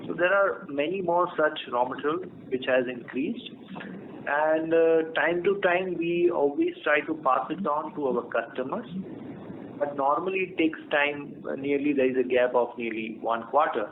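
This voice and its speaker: A man with an Indian accent speaking as a company executive on an earnings conference call, explaining in a halting way. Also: fairly high pitch, lively intonation. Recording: tinny phone line with clear noise.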